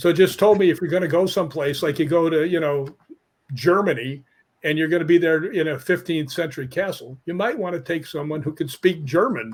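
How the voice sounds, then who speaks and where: A man with an unremarkable speaking voice and an American accent talks at a fairly quick pace in a fairly high pitch with ordinary pitch variation. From United States. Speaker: actor and stunt man, paranormal investigator. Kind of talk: casual interview chat.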